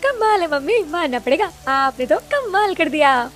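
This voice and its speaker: A woman voicing an eager, excitable young daughter in an animated story. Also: extremely high pitch, normal speed, soft background music, voice pushed up, exaggerated voice. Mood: admiring. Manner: eager, exclamatory.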